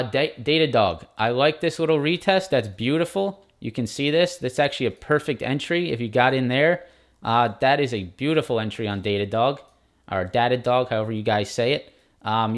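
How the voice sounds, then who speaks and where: Male streamer, mid-pitch, loose and quick chart talk to viewers. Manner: quick, informal, addresses viewers as guys. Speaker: stock market live stream host. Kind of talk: casual chart walkthrough.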